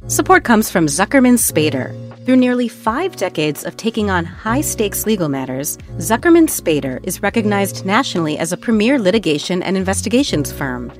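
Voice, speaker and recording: Lively woman reading a sponsor spot. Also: medium pitch, normal speed, faint music behind. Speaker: podcast announcer. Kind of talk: scripted sponsor read.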